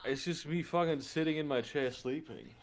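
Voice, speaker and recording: A man's voice: fairly high pitch, moderate pace. Man on a group stream call, drowsy and crude, jokey, home desk mic. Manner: drowsy, swearing, joking. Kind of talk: casual banter. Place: at home in a chair. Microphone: desk mic wrapped in socks.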